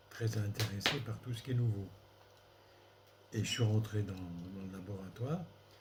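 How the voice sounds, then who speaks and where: The speech moves at a moderate pace, broken by long, frequent pauses, with ordinary pitch variation. Noticeable background noise and audible room echo are present. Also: man, fairly low pitch for a man. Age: 70s. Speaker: author and researcher interviewed about UFOs. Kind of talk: interview storytelling. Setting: recorded at a priory. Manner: halting, many hesitations.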